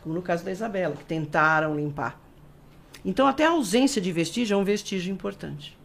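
A woman's voice: fairly low pitch, fast talker, gravelly. A middle-aged woman with a Brazilian accent, a forensic expert explaining cases in a casual interview. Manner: animated, explanatory, acts out quoted speech.

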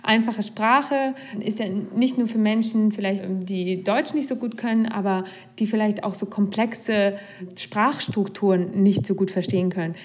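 A woman's voice: mid-range voice, fairly even intonation, a little slow, a little mellow. A young woman hosting a podcast, talking candidly in a casual conversation and thinking aloud with restarts. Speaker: podcast host.

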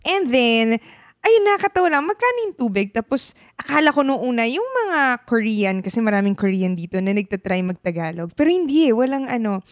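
A high-voiced woman from Pampanga tells stories in an easy, animated chat. Her pitch swings widely from line to line. The sound is close and dry, with no room around it. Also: brisk, dry recording. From Pampanga, Philippines. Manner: animated storytelling, switches between Tagalog and English. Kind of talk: casual chat.

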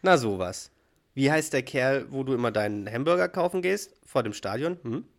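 A man's voice: mid-range voice, animated, normal speed, close to an everyday voice. A man reading an exasperated, scolding wife. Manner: scolding, sarcastic. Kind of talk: podcast read-through of a sitcom scene.

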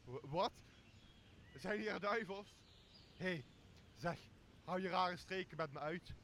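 A man's voice: high voice, slow pace, bright, forceful tone, a little hiss or hum, exaggerated voice. A young man playing a boozy, blustering, greedy castaway in a Shakespeare radio play, with a coarse and bossy manner. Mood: startled, blustering. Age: young adult. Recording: clear outdoor nature sound behind voice.

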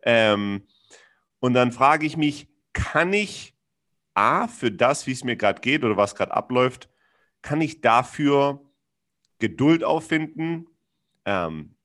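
A man reflects on his feelings in conversation, earnest and frank, searching for words through many fillers and restarts and dropping blunt slang. His mid-range voice is very animated and fairly bright, and he takes it slowly with long pauses.

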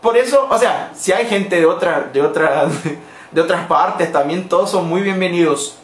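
A man's voice: high-pitched, normal speed, reverberant, slight background noise. A Brazilian man whose first language is Portuguese, hosting a playful live-stream language lesson and switching between languages.

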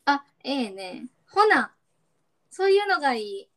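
A woman's voice: high voice, sing-song, measured pace, a bit bright. A woman with a Kansai accent, a podcast co-host, brainstorming in playful casual chat and laughing often.

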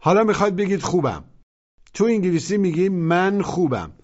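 A man's voice: sits high, lively intonation, darkish tone. A man teaching a language lesson, patiently prompting listeners to repeat after him. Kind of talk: instructional narration. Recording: muffled lo-fi audio.

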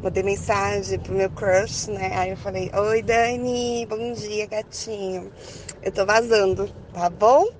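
A woman's voice: medium pitch, slow pace, slight background noise. A woman with a Brazilian accent telling a story dramatically in a casual chat and acting out the dialogue. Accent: Brazilian Portuguese. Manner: dramatic, animated storyteller who acts out dialogue. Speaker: podcast co-host.

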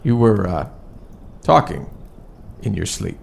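An actor playing a hesitant, literal-minded male fantasy adventurer in an audio drama, halting and oddly formal. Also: fairly low pitch, very animated, gravelly, darkish tone, slight background noise, heavily acted. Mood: puzzled. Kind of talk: horror audio drama acting.

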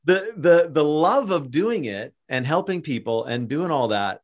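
Rambling Canadian podcast host, lots of restarts. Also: male voice, on the high side, expressive, a little slow. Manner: rambling, many restarts and fillers, encouraging. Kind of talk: casual interview chat.

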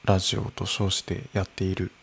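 A man in his early thirties talking alone into a microphone in his room, slow and musing, with soft laughs. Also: low voice, completely flat delivery, creaky, slightly rough. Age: early 30s. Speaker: podcast host. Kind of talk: unscripted solo podcast talk. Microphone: podcast microphone.

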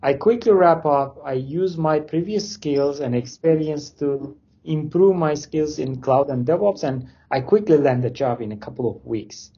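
A man's voice: fairly high pitch, normal speed, few pauses, warm tone, breathy edge, muffled recording. A man from Turkey speaking English, answering interview questions casually with loose phrasing and many fillers. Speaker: interview guest, company founder.

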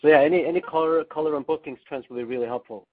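A man's voice: on the high side, racing. A man calling in as an analyst, politely putting a question on an earnings call. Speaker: analyst caller. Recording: tinny, narrow phone line.

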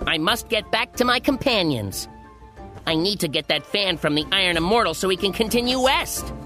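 A woman's voice: medium pitch, animated, moderate pace, sharp tone, faint music behind. A woman voicing a bold, demanding male monkey king in a storybook reading.

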